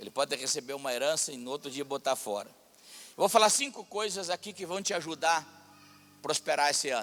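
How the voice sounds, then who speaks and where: A man's lively intonation carries through his moderately paced speech. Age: 60s. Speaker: pastor. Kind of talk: sermon. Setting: church service.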